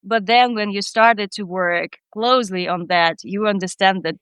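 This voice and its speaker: A Ukrainian startup CEO with a Ukrainian accent talks on a podcast interview, earnest and dreamy, restarting often and using slightly non-native grammar. Her medium-pitched voice is fairly bright and clean, at a normal speed, in a dry recording.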